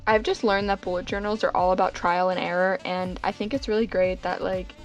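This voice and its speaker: A young woman with a hoarse, sickly voice narrating a casual journal setup, rambling and self-deprecating with lots of fillers. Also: lowish voice, fairly even intonation, a little fast, highs cut off, faint music behind. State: hoarse, getting over being sick. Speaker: bullet journal vlogger.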